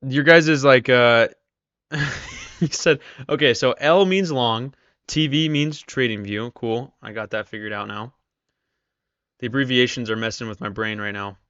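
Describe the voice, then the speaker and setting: A man's voice: mid-range voice, a little slow, fairly bright tone, smooth, no echo, lo-fi sound. A man hosting a casual live stream, chatting with viewers while losing his voice. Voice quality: strained, tired voice. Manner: chatty, reads viewer comments aloud. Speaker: live-stream trader host.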